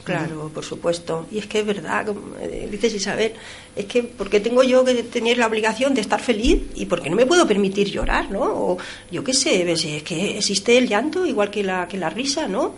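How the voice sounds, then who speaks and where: A middle-aged woman talking on a radio show, expressive and emphatic, with frequent exclamations. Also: mid-range voice, normal speed, a little hiss or hum. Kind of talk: radio talk-show discussion. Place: radio studio.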